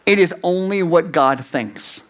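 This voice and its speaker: Animated high-voiced youth pastor man. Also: a little slow. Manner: animated, acts out inner voices and judges. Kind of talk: youth sermon.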